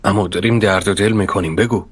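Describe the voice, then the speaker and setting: A man's voice: on the low side, fairly even intonation, slight background noise, close to an everyday voice. An actor dubbing a troubled young husband torn between his family and his wife. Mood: frustrated. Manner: pleading, frustrated, later hushed. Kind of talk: Persian drama dubbing. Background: music score.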